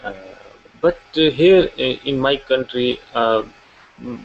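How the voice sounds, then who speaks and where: A man from Pakistan talking very slowly and hesitantly, with many pauses and fillers. His voice comes through a muffled call line with a faint hiss underneath. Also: mid-range voice, gravelly. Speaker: student. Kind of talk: halting reading aloud in class.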